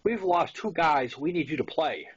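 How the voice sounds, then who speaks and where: A man's voice: fairly high pitch, animated, moderate pace, breathy edge, lo-fi sound. A man in his sixties with a Boston accent reads his own memoir aloud in a conversational storytelling manner, with casual asides. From Massachusetts, US. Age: 60s. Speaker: author reading his own novel.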